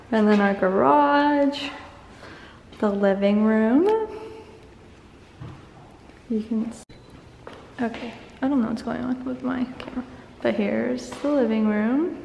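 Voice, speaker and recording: A woman's voice: fairly high pitch, creaky, darkish tone, slight background noise. A young woman vlogging casually into a handheld camera, chatty and giggly as she gives a tour of an empty house. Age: young adult. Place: car, then empty house with bare rooms. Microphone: handheld camera at arm's length. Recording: echoey empty rooms.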